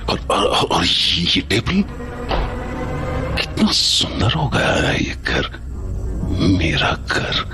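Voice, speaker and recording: A man's voice: sits low, huge pitch swings, extremely slow, pauses often, over music, heavily acted. An actor playing a grown son who returns home after many years and pleads emotionally with his mother, in an audio drama. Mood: pleading.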